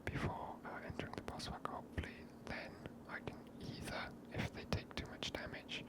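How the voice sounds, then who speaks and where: Casting: hushed ASMR game streamer, whispered delivery throughout, unvoiced and soft. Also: moderate pace.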